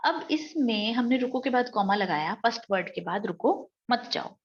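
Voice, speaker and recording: A woman with an Indian English accent teaches an exam-prep lecture, explaining each point step by step. Her voice sits a little high. The recording is slightly dull and lo-fi. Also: lively intonation. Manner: explains step by step, reads sentences out slowly.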